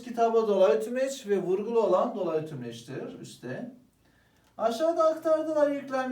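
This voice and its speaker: Speaking in an extremely high pitch, a man leads an exam-prep grammar class as a Turkish language teacher, addressing the students as "arkadaşlar" like friends. His manner is energetic, and he keeps asking questions and then answering them. He's far from the microphone, and the room gives off a noticeable echo.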